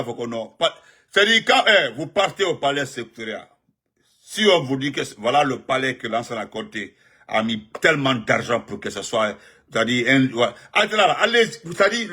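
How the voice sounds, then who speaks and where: A man, giving animated live-stream political commentary and greeting viewers, repeating himself and jumping up in pitch when he stresses a point. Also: moderate pace, slightly rough. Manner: excited, repetitive, pitch jumps up sharply when emphatic.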